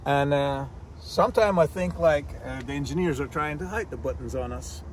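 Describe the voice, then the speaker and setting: A man's voice: fairly high pitch, normal speed, slight background noise. An older man, a mechanic, explaining car features step by step in a plain, methodical way, with small slips. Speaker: master diagnostic technician. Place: outdoors in a dealership parking lot, then inside a car.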